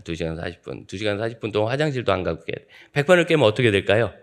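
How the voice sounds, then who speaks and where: A man in his fifties, a guest pastor preaching at a dawn church service, telling joking stories from his childhood in a lively way. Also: lowish voice, very fast. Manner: lively, joking anecdotal storytelling. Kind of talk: sermon with humorous storytelling.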